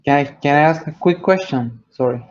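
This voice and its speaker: A man's voice: fairly high pitch, normal speed, highs cut off. Hesitant man from Bulgaria asking a question. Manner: hesitant, full of filler sounds and restarts. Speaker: audience member asking a question.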